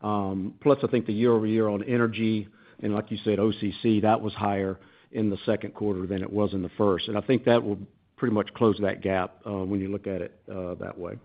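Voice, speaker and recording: Halting low male executive, phone-like line. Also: little pitch movement. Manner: halting, cautious, repeats "you know". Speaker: company executive explaining costs. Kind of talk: unscripted earnings call answers. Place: conference call. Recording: tinny narrow phone-like call line.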